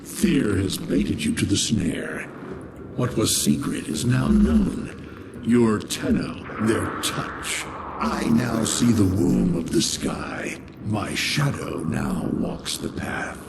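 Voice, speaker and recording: Evil ancient robot mind, slow n gravelly, swooping low voice, loud noise behind, scifi game. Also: male voice, lively intonation. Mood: coldly triumphant. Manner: slow, solemn, cryptic pronouncements. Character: sinister ancient male machine being, cold and menacing. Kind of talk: science-fiction game voice acting.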